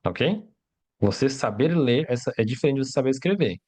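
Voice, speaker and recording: A man's voice: mid-range voice, animated, a little fast, darkish tone, slightly rough. A man who learned Portuguese as a second language, teaching Mandarin in a livestream lesson, explaining step by step and checking in with "né?" and "tá?". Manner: explanatory, rhetorical questions, frequent "né?" and "tá?".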